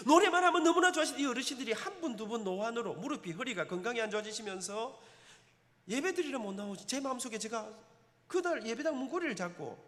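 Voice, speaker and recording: A man's voice: very high-pitched, lively intonation, fast talker, fairly bright tone. A middle-aged man, a church elder with a Gyeongsang accent, giving an impassioned testimony sermon. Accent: Gyeongsang Korean. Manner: impassioned, emotional storytelling with dialect turns. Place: church sanctuary. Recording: long reverb in church sanctuary.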